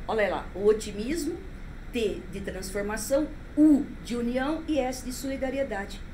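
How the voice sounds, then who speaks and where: Speaking at a fairly slow pace, a woman with a high pitch uses lively intonation amid audible room echo. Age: 60s. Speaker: biologist and educator, motivational speaker. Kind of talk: podcast interview.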